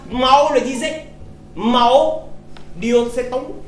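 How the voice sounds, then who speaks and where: A woman's voice: sits high, takes it slowly, far from the mic, slight background noise. Woman putting on a sing-song teacher. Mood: teasing. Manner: sing-song, exaggerated tones, chuckling asides. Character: cheerful female Chinese language teacher, cheeky and teasing. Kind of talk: stand-up character sketch. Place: comedy club stage. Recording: roomy live stage mic from afar. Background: loud audience laughter.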